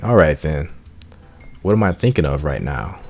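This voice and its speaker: A man's voice: extremely low pitch, sing-song, normal speed, a little mellow, soft background music, full character voice. A man voicing a skeptical, teasing teenage schoolboy in a read-aloud of a visual novel, with a dry manner.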